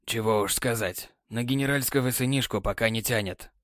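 A man voicing a weary, gruff sea captain who is a tender husband, speaking low with sighs and mutters. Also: fairly quick, a bit bright, dry recording, studio quality, natural voice. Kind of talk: audiobook character voice.

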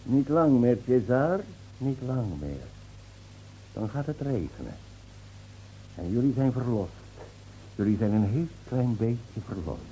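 A bitter, sardonic villager in an old radio drama. His low, very dark voice creaks and swings widely in pitch. The recording is muffled with light hiss. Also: very animated, unhurried, long pauses. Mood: bitter mockery. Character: bitter, mocking villager taunting others about hell and rain. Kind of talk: theatrical radio drama acting.

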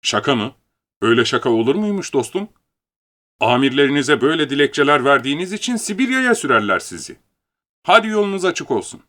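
A man's voice: medium pitch, big pitch swings, quick pace, pushed and bright. A man reading an audiobook, voicing an older male official who speaks with patronizing false kindness. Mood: smug.

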